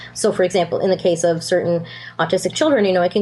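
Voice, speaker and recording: With noticeable background noise behind her, a woman rushes along at a very fast pace in a fairly low voice with monotone, flat intonation. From immigrant family, grew up abroad then moved. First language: not English. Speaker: author. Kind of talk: podcast interview discussion. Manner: hesitant, many fillers.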